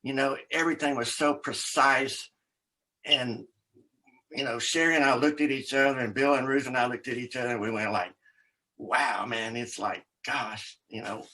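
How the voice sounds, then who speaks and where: A man's voice: medium pitch, moderate pace. An older man, an author, telling a rambling story as an interview guest, often quoting others and laughing. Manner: rambling, animated storyteller with laughs and quoted voices.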